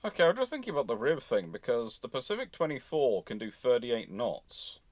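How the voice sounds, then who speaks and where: A man's voice: mid-range voice, sing-song, fairly quick, dry recording. A man hosting an informal live question-and-answer session, conversational and opinionated, repeating phrases for emphasis. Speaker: host of naval history live stream.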